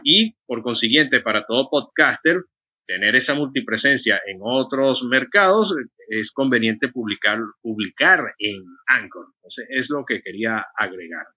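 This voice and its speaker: A man, a podcaster, adds his view in an online panel, measured and with hesitant pauses. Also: medium pitch, animated, bright, forceful tone, breathy edge, no room sound. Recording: dry lo-fi audio.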